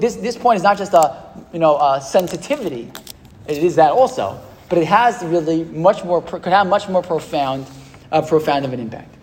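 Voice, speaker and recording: Noticeable background noise runs under a fairly quick voice with an American accent. The intonation is lively. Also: man, high pitch for a man. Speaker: rabbi. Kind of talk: lecture. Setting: stage with audience.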